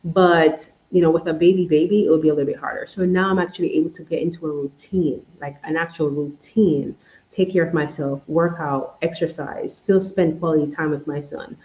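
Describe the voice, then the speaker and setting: A woman's voice: low voice, fairly even intonation, fairly quick, darkish tone. A woman with a Jamaican accent hosting a live stream, rambling and correcting herself as she talks straight to her viewers. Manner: rambling, self-correcting, addresses viewers directly. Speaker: channel host doing a live Q&A. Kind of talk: casual live-stream chat. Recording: echoey room, slightly dull sound.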